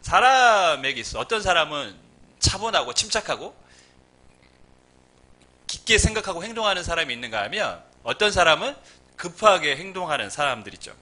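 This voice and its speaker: Lively, bright-voiced male pastor preaching. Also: on the high side, moderate pace. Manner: humorous, storytelling delivery. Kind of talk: sermon.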